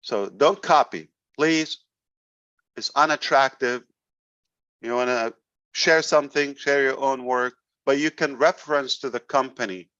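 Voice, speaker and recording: Man, company leader addressing members, blunt and emphatic, mid pitch, dry lo-fi sound. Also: measured pace, sharp tone, no echo. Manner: blunt, emphatic, sarcastic at times. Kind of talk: motivational business talk. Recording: dull, dry recording.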